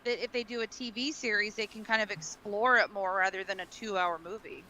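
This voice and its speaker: A woman's voice: mid-range voice, fairly even intonation, brisk, sharp tone, a little hiss or hum, low-quality recording. A woman offering her thoughts in a casual panel discussion. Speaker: podcast co-host or panelist.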